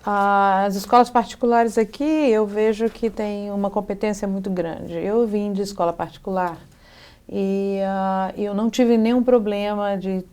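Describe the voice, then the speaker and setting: A middle-aged woman from Brazil is answering questions as a guest on a TV interview. Her voice sits at an ordinary middle pitch. She speaks thoughtfully and often pauses mid-sentence to find the right word. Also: fairly even intonation, a little mellow, smooth. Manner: thoughtful, pauses to search for words. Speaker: interview guest, educational psychologist.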